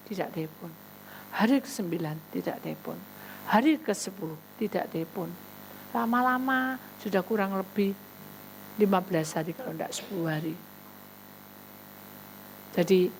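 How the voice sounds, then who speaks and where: A woman pastor preaching a sermon, telling a story with sudden high exclamations and quoted voices. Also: a little hiss or hum, low-quality recording.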